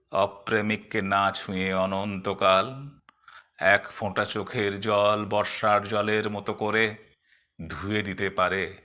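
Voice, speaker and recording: A man reciting poetry in a dramatic, expressive way, in measured phrases set apart by pauses. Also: on the low side.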